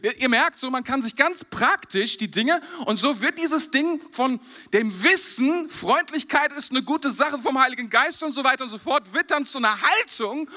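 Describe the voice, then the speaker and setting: A man from Germany preaching a sermon to a congregation, animated and chuckling often between phrases. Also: very high-pitched.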